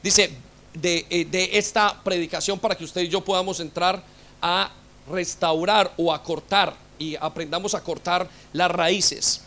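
High, bright-voiced impassioned male preacher. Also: fairly even intonation, measured pace. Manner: impassioned preaching with rhetorical questions. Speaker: pastor. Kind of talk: sermon.

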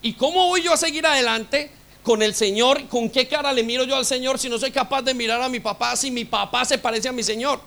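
A man's voice: very high voice, a little fast, gravelly, bright, forceful tone. A man preaching a sermon as a pastor, impassioned and full of rhetorical questions.

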